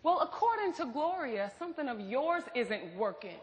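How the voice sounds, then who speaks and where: Woman acting a sassy female friend, high animated voice, bossy, playful, stage play, echoing hall. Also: moderate pace. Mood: cutting, sassy. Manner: bossy, playful, sharp-tongued. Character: Jackie, sassy, bold, teasing best friend of a wife. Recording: echoey theatre hall, faint noise.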